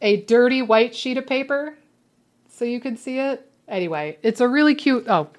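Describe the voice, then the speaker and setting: A woman co-hosts a podcast on a webcam setup, chatting casually and playfully with dramatic asides. Her voice is a little high and moves at a moderate pace.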